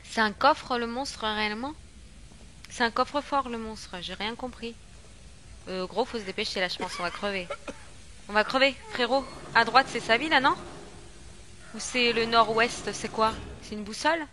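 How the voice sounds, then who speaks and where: A young woman from France playing a horror game and commenting casually, chatty and excitable, swinging from shrieks to low mutters. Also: moderate pace, slight background noise. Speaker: gaming streamer. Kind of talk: casual let's-play commentary.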